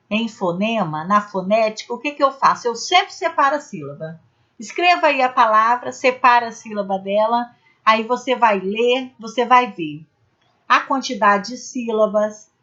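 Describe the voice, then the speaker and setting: A woman's voice: on the high side, a bit bright. A woman teaching an exam-prep grammar lesson, walking through each rule step by step with examples and checking in with her viewers. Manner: addresses viewers as "gente" with frequent "né?" tags; explains rules step by step with spoken examples. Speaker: Portuguese language teacher. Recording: dull lo-fi recording.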